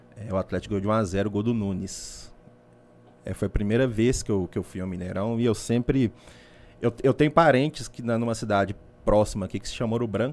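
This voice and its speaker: In a normal speaking voice, a man talks at a fairly quick pace with medium pitch and ordinary pitch variation. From interior of Minas Gerais, Brazil. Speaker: journalist and press officer. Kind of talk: interview on a podcast.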